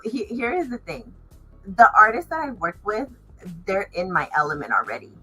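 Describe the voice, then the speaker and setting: A woman's voice: medium pitch, sing-song, moderate pace, bright, forceful tone, husky, faint music behind, low-quality recording. A woman chatting casually as a fashion designer in an interview, stressing words emphatically. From Los Angeles area, United States.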